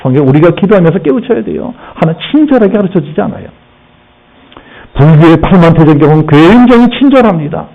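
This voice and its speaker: A middle-aged male pastor delivers a sermon, his pitch sitting fairly high and swinging widely as he acts out rebukes and speaks straight to the congregation. The recording sounds a little dull and lo-fi. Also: quick pace. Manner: animated, voicing Jesus' rebukes with raised pitch; addresses the congregation directly.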